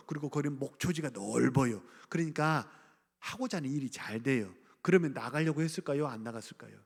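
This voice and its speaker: A middle-aged man from Gwangju preaching a sermon as pastor, speaking conversationally, asking the congregation questions and chuckling. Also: on the high side. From Gwangju, South Korea. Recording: church hall reverb.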